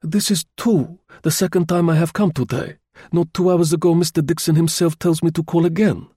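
A man voicing a pushy, indignant travelling salesman in a storybook, with a foreign accent, high-pitched voice and stilted phrasing. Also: steady tone, normal speed, mellow, husky, no room sound, studio quality. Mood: insistent. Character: indignant foreign male salesman hawking steam packing.

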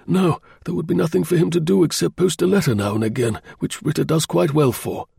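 A man's voice: on the high side, a little fast, gravelly, dark tone, slightly rough, no echo, clean studio sound, pitched above the performer's own voice, exaggerated voice. A man voicing an anxious, proud engineer in a storybook, speaking in a formal, emphatic and fretful way. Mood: defensive. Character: anxious male engineer-inventor, proud and earnest.

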